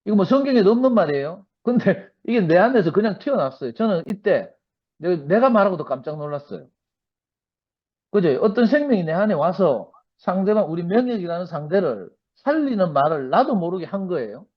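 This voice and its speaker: The recording is dull and lo-fi, but this middle-aged man's high-pitched, brisk voice stays animated as he recounts his testimony at church. He has a Gyeongsang Korean accent and plays out each bit of dialogue himself.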